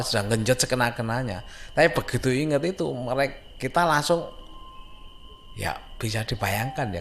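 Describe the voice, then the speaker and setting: A man's voice: medium pitch, fairly bright tone. East Javanese man telling ghost stories, noisy recording. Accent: East Javanese Indonesian. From Indonesia, a Javanese-speaking village. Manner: conversational, suspenseful, repeats phrases for emphasis. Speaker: horror story narrator. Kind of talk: informal spoken ghost storytelling.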